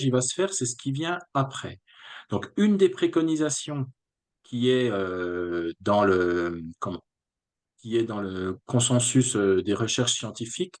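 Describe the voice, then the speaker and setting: A man's voice: mid-range voice, a little mellow. A man presenting a reading and writing method in a webinar, explaining step by step with frequent fillers and restarts.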